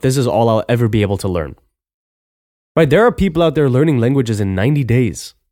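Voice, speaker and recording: The recording is very clean, with a silent background. The voice has a dark, mellow tone, a fairly quick pace and very wide pitch swings. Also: man. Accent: non-native. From outside US, moved to US at 14. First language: not English. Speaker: podcast host, self-improvement. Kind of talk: scripted-style motivational monologue.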